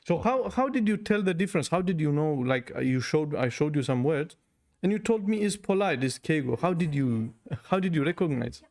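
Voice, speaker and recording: Inquisitive higher-voiced man. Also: animated, a little fast, a little mellow. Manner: inquisitive, repeats "yeah, yeah". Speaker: language learner and channel host. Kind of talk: casual lesson chat.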